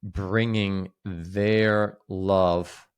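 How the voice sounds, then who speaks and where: A man co-hosting a literary discussion, speaking emphatically and haltingly, often repeating words as he reflects. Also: deep voice, little pitch movement, clear, resonant tone. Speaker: co-host.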